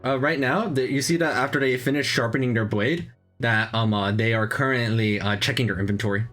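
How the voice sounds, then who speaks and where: A man's voice: medium pitch, a little fast, a bit bright, soft background music. A man running an online tabletop game as dungeon master, talking with many fillers and restarts.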